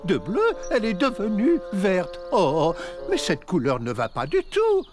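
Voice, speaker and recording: An actor voicing a fussy, excitable little male golfer in a children's cartoon, theatrical and exclamatory. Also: mid-range voice, measured pace, over music. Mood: dismayed. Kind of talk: French children's cartoon dub.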